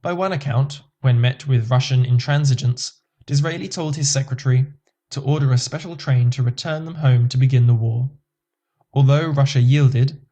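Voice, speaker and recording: A man reads an encyclopedia article aloud as scripted narration. His delivery is even and measured. The voice sits at a middle pitch with a mellow, warm tone.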